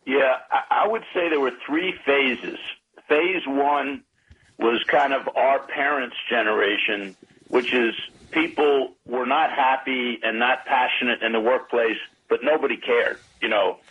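A throaty older man, a guest, explains his ideas in a measured way. He comes through a thin, tinny phone line, with a faint hiss behind him. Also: mid-range voice. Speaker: guest attorney and author. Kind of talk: interview over the phone.

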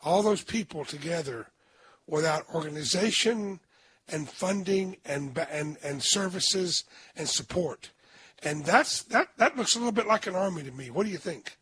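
A man with a hoarse voice hosting a radio talk show, chatting in a folksy, emphatic way and often restarting his sentences. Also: a little high, lively intonation, moderate pace, a bit bright.

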